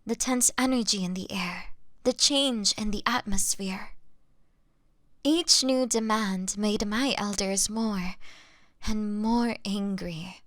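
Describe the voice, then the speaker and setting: A woman playing a young vampire in an intimate audio roleplay, refined, gentle and apologetic, speaking in formal, polite, deliberate phrases. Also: medium pitch, no room sound. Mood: wistful, grave. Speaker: audio drama performer.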